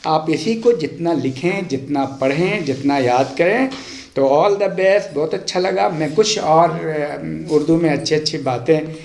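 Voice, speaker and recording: A man giving a language lesson, reading practice sentences aloud in a deliberate, instructive way, line by line. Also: a little high, vocal fry, a little mellow, slight background noise. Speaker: language teacher. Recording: echoey untreated room.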